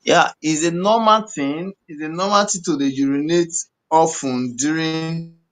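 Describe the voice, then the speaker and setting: A man's voice: a little high, unhurried, fairly bright tone. West African man explaining in Pidgin. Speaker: medical doctor answering questions. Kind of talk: explanatory health question-and-answer in Pidgin English mixed with English.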